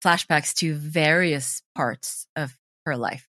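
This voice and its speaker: A woman with a slightly low voice talks reflectively, as a creator being interviewed. She explains things in a loose, conversational way, softening her points as she goes. The sound is close and dry. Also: slow, no room sound.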